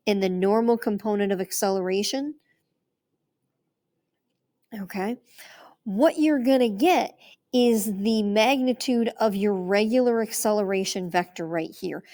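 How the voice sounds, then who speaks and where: A woman's voice: medium pitch, a little mellow. A woman math teacher working through a proof aloud in a chatty, casual way, talking herself through each step.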